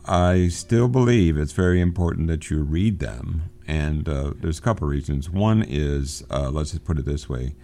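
A man with a very low, mellow voice teaching literature on a recorded program. He talks in an unhurried way, often pausing on fillers and restarting his sentences.

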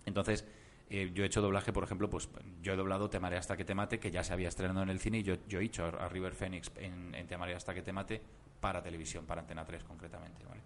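A man who works as a voice actor, guesting on a podcast and telling stories in an animated way with lots of asides. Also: low-pitched, fast talker, a little hiss or hum. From Germany. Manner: animated storytelling, many asides. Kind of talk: casual podcast interview.

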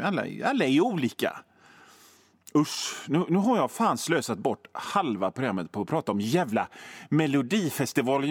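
A man's voice: fairly high pitch, dry recording. A male radio host delivering a comedic monologue in a sardonic, mock-grumpy ranting manner into a studio microphone.

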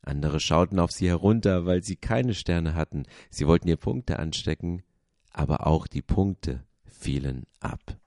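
A man with a low, mellow voice reads a children's story aloud. He tells it expressively, as a pastor would to listeners. The recording is close and dry. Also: unhurried, dry recording.

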